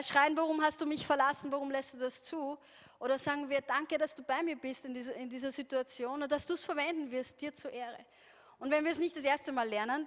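Woman giving a sermon, kinda high pitched, earnest w little laughs, echoey hall. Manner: earnest, with soft laughs and restarts. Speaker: preacher. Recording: long hall reverb.

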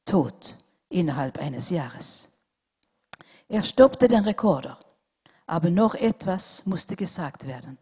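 A woman narrating a religious story, unhurried and deliberate. Her voice is breathy and slightly husky. It carries a long reverb from a large hall. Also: lowish voice, animated, dark tone. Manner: slow, deliberate storytelling with dramatic pauses.

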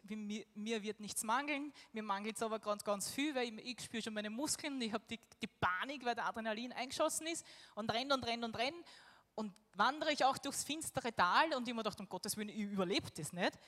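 A woman's voice: on the high side, a bit bright. A woman giving a personal testimony, acting out her own thoughts as she tells it. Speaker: speaker sharing a personal story. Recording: echoey hall.

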